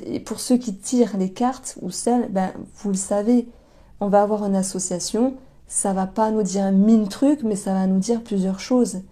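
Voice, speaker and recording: A woman with a dark, mid-range voice does a casual tarot reading on camera. She chats hesitantly, thinking out loud as she addresses her viewers directly.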